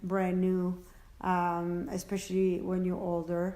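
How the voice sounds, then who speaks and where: Audible room echo surrounds the speech of a woman. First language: French. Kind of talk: interview. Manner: halting, many fillers and repeated words.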